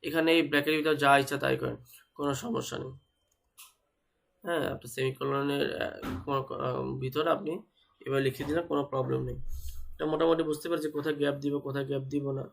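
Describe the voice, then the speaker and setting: A man's voice: a little high, fairly even intonation, fast talker, vocal fry, pauses often, a little hiss or hum. A young man with a fever teaching a web development class, explaining step by step and spelling terms out. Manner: explains step by step, repeats words and spells them out. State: speaking slowly because of fever. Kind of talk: live online coding class.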